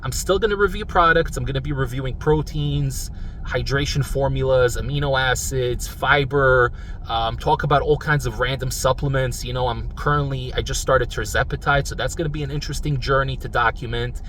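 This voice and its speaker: A man's voice: medium pitch, fairly even intonation, a little fast, a bit bright. Rambling mid-30s man vlogging from a car. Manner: rambling, earnest, says "guys" often. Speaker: supplement review channel host. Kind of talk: casual vlog talk to viewers. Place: in a car while driving. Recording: mic far off, car road noise. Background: car and traffic noise.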